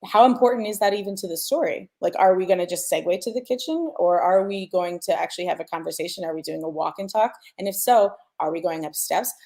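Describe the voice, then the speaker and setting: A woman's voice: lowish voice, quick pace, few pauses, darkish tone. A woman speaking as a sound designer on a panel, explaining informally and posing questions as she goes. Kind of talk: casual explanatory panel talk.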